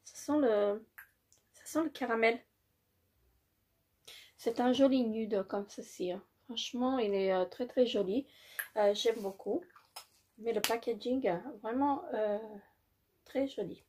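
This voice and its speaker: Woman beauty vlogger, unhurried delivery, slightly husky tone, halting casual haul talk. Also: a little high, darkish tone. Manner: hesitant, many fillers, repeats "très joli"; apologizes for her English.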